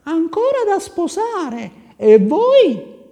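A man voicing a clever, sly young noblewoman in a high, teasing falsetto. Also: wildly swooping pitch, very slow, mellow, exaggerated voice. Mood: coy.

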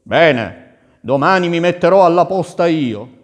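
A man voicing a haughty young prince in a storybook tale, speaking loud and commanding. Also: a little high, animated, measured pace, big-room sound. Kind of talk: storybook reading.

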